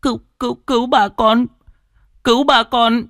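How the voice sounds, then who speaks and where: A man voicing a small, frightened boy who cries out high and desperate through his sobs. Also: steady tone, moderate pace, fairly bright tone, dry recording, studio quality. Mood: sobbing plea.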